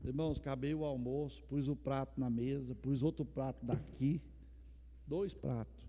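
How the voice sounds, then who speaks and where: A male pastor preaching a sermon, swinging from impassioned declarations to a soft, intimate storytelling voice. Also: mid-range voice, fairly even intonation, normal speed. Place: church sanctuary. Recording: long reverb of a church hall.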